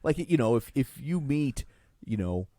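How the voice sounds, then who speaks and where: A man's voice: mid-range voice, lively intonation, normal speed, mellow, no echo, studio quality. Wry male podcast panelist. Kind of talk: casual opinionated movie discussion.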